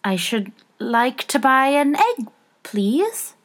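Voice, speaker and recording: Woman acting a curious little girl, high-pitched, very animated, polite and eager, wondering storybook character. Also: moderate pace. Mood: polite, timid. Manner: wondering, animated, childlike exclaiming.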